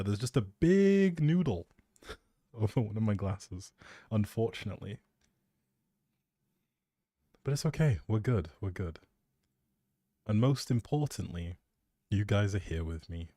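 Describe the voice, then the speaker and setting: A man live streams in a casual, playful way, rambling and poking fun at himself into a close microphone. His voice is lowish and warm, and the recording is dry.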